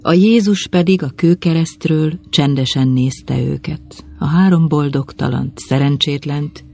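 A narrator with a husky voice reading a literary story in a solemn, measured way. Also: medium pitch, darkish tone. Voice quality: gravelly, husky.

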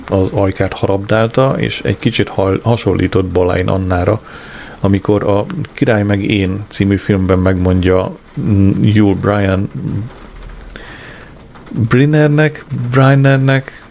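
Casting: deep, gravelly man, deadpan audiobook narrator. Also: a little hiss or hum. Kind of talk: scripted narration of a comic diary.

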